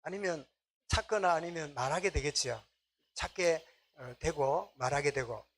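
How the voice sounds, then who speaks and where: Casting: middle-aged male pastor, husky voice, easy conversational sermon. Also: a little high, normal speed, a bit bright.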